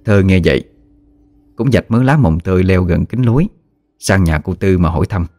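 A man narrating a ghost story in a measured, hushed way. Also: sits low, animated, no echo.

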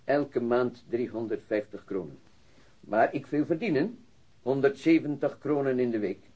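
An actor playing an immigrant truck driver who speaks halting, broken Dutch as a non-native, searching for words. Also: male voice, medium pitch, animated, mellow, husky. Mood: plain, matter-of-fact. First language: not Dutch. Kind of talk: radio drama acting. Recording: dull, band-limited radio recording.

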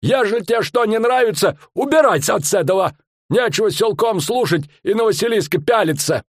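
A man voicing a loud, boastful middle-aged male fairground barker with rustic old-fashioned speech and drawn-out showman's patter. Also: high-pitched, animated, dry recording, clean studio sound, voice pushed up. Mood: indignant.

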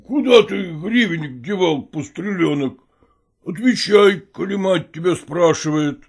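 A woman reading aloud puts on a coarse, bullying husband in a storybook. The voice is gravelly and wide-ranging in pitch. He drawls every threat slowly and menacingly. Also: lively intonation, exaggerated voice. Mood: angry threatening. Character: rough, bullying working-class husband, grown man. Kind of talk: audiobook character reading.

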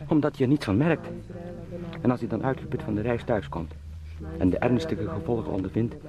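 An actor in a radio drama playing an anxious travelling salesman turned beetle, pleading and eager to please in halting, formally polite speech. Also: mid-range voice, lightly acted. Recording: clearly noisy radio play sound.

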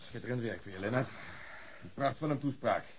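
Actor as fast-talking sarcastic police detective, noisy recording. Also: male voice, mid-range voice, close to an everyday voice. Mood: sarcastic, scolding. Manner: sardonic, brusque. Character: gruff, sarcastic, domineering male police detective. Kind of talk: Dutch radio drama dialogue.

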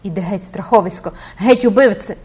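A woman voicing a terrified, furious young gypsy woman who shouts in fear and rage in an audiobook. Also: mid-range voice, a little fast, breathy edge.

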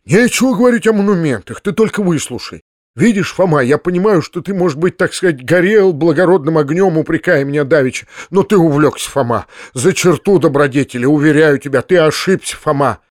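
A man's voice: fairly high pitch, lively intonation, brisk, no room sound, clean studio sound, lightly acted. A man voicing an earnest, well-meaning uncle who stumbles over his words, in an audiobook. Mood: earnest, flustered.

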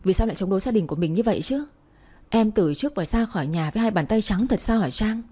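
A woman's voice: mid-range voice, lively intonation, fast talker, warm tone, husky. A woman voicing a stern young man who keeps scolding and urging his girlfriend, in a storybook reading. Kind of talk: storybook narration.

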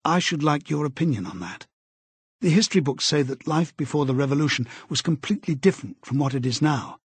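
A careful, earnest middle-aged man, voiced by a male narrator. He talks in a measured, tentative way with a slightly husky tone. The sound is close and dry, with no room. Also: fairly high pitch, lively intonation, dry recording. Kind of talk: audiobook character voice.

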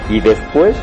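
A man voicing a furious villain who threatens his mother, shouting and gloating over music. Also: very high voice, voice pushed up, exaggerated voice.

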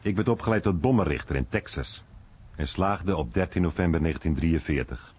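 Male voice-over reader, deep and husky, animated intonation, translating veteran memories. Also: fairly quick, a little hiss or hum. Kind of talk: scripted voice-over of personal recollections. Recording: dull, muffled broadcast recording.

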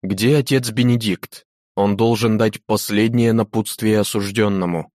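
A man voicing a stern high-ranking churchman giving curt orders. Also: fairly even intonation, measured pace, a little mellow, no echo, studio quality, lightly acted. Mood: strict. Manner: strict, curt.

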